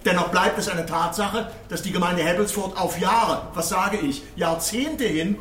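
An actor playing a prosecutor who argues pointedly and indignantly in court. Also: male voice, high voice, normal speed, fairly bright tone, roomy sound. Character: sharp prosecutor arguing in court.

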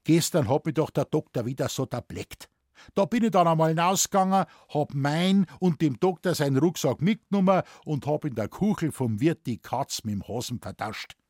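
A man voicing a sly, gruff old forest warden who speaks in broad Bavarian dialect, drawling and mischievous. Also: a little high, animated, moderate pace, darkish tone, no echo, studio quality, pitched above the performer's own voice.

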